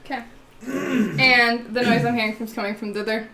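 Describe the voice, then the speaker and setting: A woman's voice: a little high, steady tone, normal speed, creaky, sharp tone. A woman with a put-on Southern US accent, playing a character in a casual tabletop game and talking in a blunt, joking way with the odd swear. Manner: playful, blunt, swears and jokes. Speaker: player. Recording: echoey room with faint noise.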